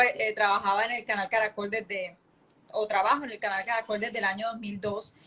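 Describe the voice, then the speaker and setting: A woman's voice: fairly high pitch, a bit bright. A woman, giving an earnest, vivid faith testimony as an interview guest. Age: late 30s.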